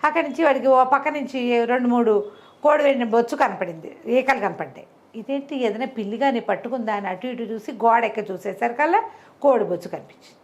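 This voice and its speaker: High-voiced woman telling folk tales. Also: a little fast. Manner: animated asides, colloquial, acts out dialogue. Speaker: storyteller. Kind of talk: conversational oral storytelling of a folk moral tale.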